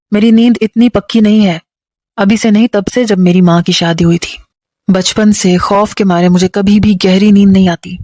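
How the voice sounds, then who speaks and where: A stern, guarded young husband from a spoken romance story, protective and clipped, read by a woman storyteller in her own even voice. The sound is dry and close, with no room around it. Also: mid-range voice, no echo, natural voice.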